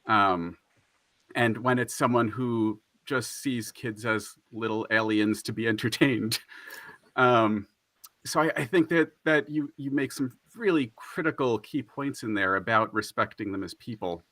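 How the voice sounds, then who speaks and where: A man's voice: medium pitch, measured pace, bright, forceful tone, dry recording. A man moderating a panel discussion, thoughtful and affirming as he responds to the speakers.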